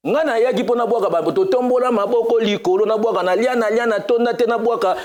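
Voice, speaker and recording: A man from Kinshasa, a music animateur talking casually in an interview, mixing Lingala and French in a lively way. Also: very high voice, fast. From Congo (Kinshasa). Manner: mixes Lingala and French, lively, bursts into chanted cries.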